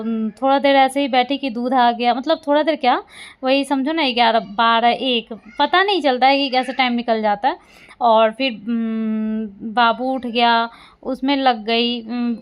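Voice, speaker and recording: एक युवा माँ घर पर फ़ोन कैमरे के सामने खुलकर, इधर-उधर की बातें करती हुई, बीच-बीच में भराव शब्दों के साथ।. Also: female voice, high voice. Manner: chatty, loose and rambling, with many fillers. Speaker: vlogger, mother of two. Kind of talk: casual vlog chat. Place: at home.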